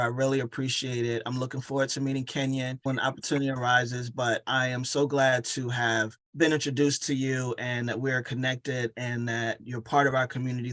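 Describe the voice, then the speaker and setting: A man's voice: medium pitch, a bit bright. A man hosting a conversational interview, affirming his guest and speaking in motivational, coach-like phrases. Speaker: podcast host and coach.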